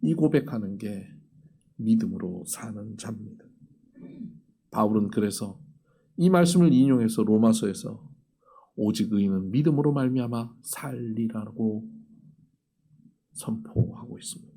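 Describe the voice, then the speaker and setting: Husky-voiced Korean pastor preaching. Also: male voice, on the low side, unhurried, long pauses. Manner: acts out little dialogues, dropping to a soft near-whisper for tender lines. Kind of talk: sermon.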